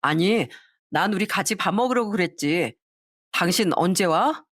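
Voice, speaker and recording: A woman's voice: lowish voice, lively intonation, moderate pace, no room sound, studio quality. A woman voicing a husband who holds his anger in and speaks curtly. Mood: restrained. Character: angry husband holding back.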